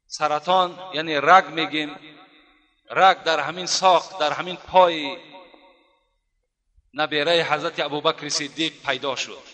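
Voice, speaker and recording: A man preaching a storytelling sermon, speaking to his listeners as dear brothers and slowing down to recite Arabic phrases. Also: fairly high pitch, pushed and bright. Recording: long hall reverb.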